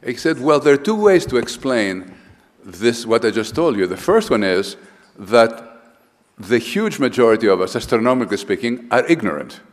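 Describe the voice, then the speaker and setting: A man's voice: mid-range voice, very animated, normal speed. Older man lecturing in a reverberant hall. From Greece. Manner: emphatic, with many restarts and repeated words. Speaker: architect giving a conference lecture. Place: large lecture hall, standing at a lectern.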